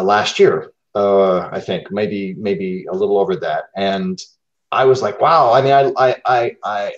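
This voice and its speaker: Man, low voice, thoughtful halting delivery, reflective interview talk, echoey dull recording. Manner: halting, thoughtful, repeats words while searching. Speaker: guest voice actor.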